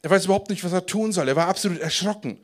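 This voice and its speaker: Animated young-sounding preaching man. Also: sits high, very fast. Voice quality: casual, animated preaching with English slang. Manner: acts out voices, drops to quiet intense prayer tones. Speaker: pastor. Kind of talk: sermon.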